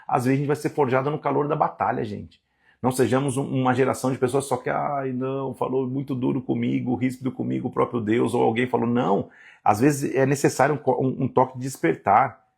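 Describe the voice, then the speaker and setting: A man's voice: medium pitch, creaky, slightly rough. A man preaching on a Bible passage, reading verses and voicing God's words with emotional, exclaiming emphasis.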